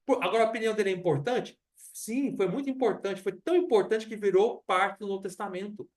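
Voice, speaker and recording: Speaking quickly with a high pitch and darkish tone, a man with a Brazilian accent preaches a Bible study in a church hall. He teaches conversationally, repeats himself, and asks rhetorical questions, all picked up from far from the mic.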